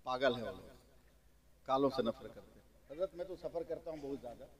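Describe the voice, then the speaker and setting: A man's voice: medium pitch, lively intonation, brisk. A male preacher telling a parable in a sermon, colloquial and often checking that the crowd follows. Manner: builds to loud shouting climax. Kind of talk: sermon storytelling.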